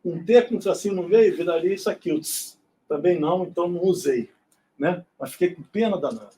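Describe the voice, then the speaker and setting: A man's voice: sits high, a little fast, dark tone, slightly rough. A middle-aged man from Brazil giving an informal classroom lecture in an auditorium, often checking in with tag questions. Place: synagogue auditorium.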